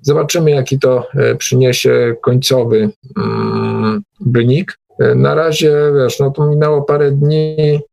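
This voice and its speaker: A man hosting an informal online meeting, speaking hesitantly with many drawn-out filler pauses. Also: mid-range voice, fairly even intonation, creaky, a little mellow. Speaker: host of an online group meeting.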